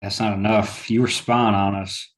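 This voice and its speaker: A man's voice: on the low side, little pitch movement, normal speed, natural voice. A man playing a blunt, profane small-town lawman with a colloquial way of talking in a drama table read. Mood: accusing.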